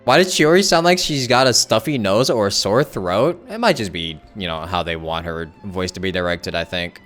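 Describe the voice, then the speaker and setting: A female game streamer with a low voice, talking casually. She is chatty and reacts aloud as she plays, with faint game music in the background. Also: moderate pace. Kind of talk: casual live game commentary.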